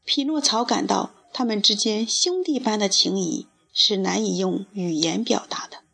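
A woman reading a storybook aloud to children in a gentle, expressive way. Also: medium pitch, moderate pace, gravelly, slightly rough.

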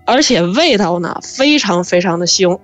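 A woman's voice: medium pitch, soft background music. Chatty woman telling a tale. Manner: lively, chatty, pauses with drawn-out fillers. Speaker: storyteller. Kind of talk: casual spoken storytelling.

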